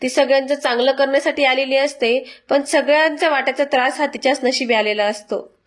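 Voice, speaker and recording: A woman's voice: sits high, steady tone, brisk. A woman narrating a family drama episode recap in a sympathetic storytelling voice-over.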